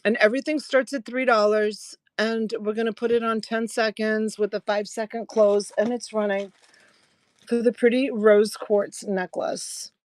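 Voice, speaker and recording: A woman's voice: fairly high pitch, no echo. Woman in her 60s doing a live jewelry sale, chatty and giggly, dry close sound. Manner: chatty, laughs often, warm to viewers by name. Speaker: live-stream jewelry seller. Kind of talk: casual live-selling chat.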